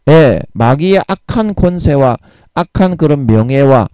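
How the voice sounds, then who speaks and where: A man preaching a Bible sermon in a blunt, emphatic way, using coarse everyday words and drawing out key phrases slowly. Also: fairly high pitch, lively intonation, dark tone, clear, resonant tone, no echo. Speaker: evangelist preaching.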